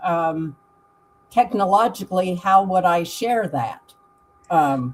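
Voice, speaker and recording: A woman at medium pitch, very slow pace and lively intonation, with noticeable background noise. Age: 80s+. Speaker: travel group coordinator. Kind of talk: interview conversation. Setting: live show.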